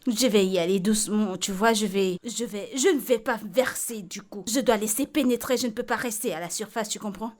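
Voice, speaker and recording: A woman's voice: mid-range voice, brisk, few pauses, natural voice. A woman dubbing a film role: an outspoken, caring woman who talks bluntly and repeats herself insistently. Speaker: Vicky, friend tending a beaten woman. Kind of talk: French film dub.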